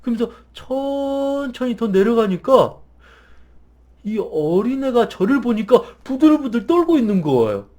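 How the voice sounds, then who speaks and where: Male counselor, confessional storyteller, earnest, high-pitched and lively. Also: a little slow. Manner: earnest, emotional, swings from hushed to intense. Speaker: meditation and hypnosis counselor.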